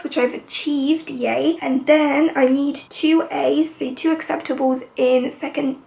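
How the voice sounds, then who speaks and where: A woman vlogging in casual chat at home, rambling and chatty, her voice slightly croaky, often dropping to a soft whisper. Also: sits high, rough recording.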